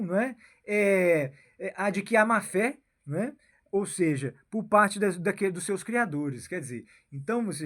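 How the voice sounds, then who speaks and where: A man with a Brazilian accent giving a rambling political monologue, tagging his phrases with a questioning "né?" and "my son" and often restarting himself. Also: sits high. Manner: keeps adding "né?" and "meu filho"; halting, repeats and restarts phrases. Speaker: political commentator.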